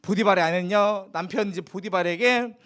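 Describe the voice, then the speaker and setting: A man's voice: high voice, brisk. A man preaching a children's sermon, telling a Bible story and asking the children questions as he goes. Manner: animated, asks the children questions.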